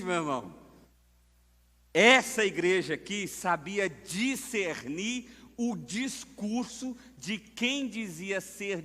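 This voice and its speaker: A man's voice: high-pitched, pushed and bright. A man with a Brazilian accent, a pastor preaching a sermon in a conversational way, throwing out rhetorical questions and breaking into sudden emphatic rises. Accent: Brazilian Portuguese. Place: church sanctuary. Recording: long hall reverb of a church.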